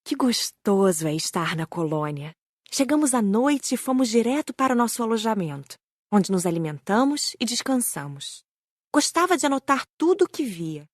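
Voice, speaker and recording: A woman's voice: mid-range voice, dry recording, clean studio sound. A woman with a Brazilian accent reading a first-person book as an audiobook narrator.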